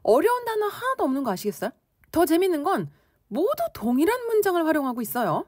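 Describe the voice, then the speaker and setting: A woman teaching English conversation in Korean, lively and playful, acting out angry reactions as she explains expressions. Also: high-pitched, fast talker, no echo, clean studio sound.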